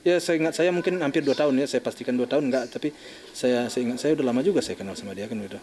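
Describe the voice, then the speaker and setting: An older man, a bereaved father, recounting events in an interview in a halting, shaken way, often restarting his sentences. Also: medium pitch, darkish tone. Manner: halting, restarting, acting out phone calls.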